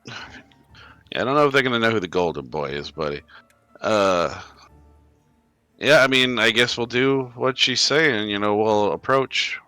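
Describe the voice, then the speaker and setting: A man's voice: lowish voice, measured pace, long pauses, pushed and bright, clear, resonant tone, dry recording, soft background music. A man playing a tabletop game, talking casually in a hesitant, rambling way. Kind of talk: casual chat.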